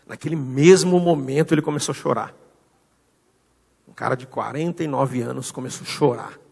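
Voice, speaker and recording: A man with a Brazilian Portuguese accent preaching a sermon, telling a story and acting out the dialogue with swings in loudness. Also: mid-range voice, moderate pace, vocal fry, breathy edge, in a large hall. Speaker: pastor. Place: church hall.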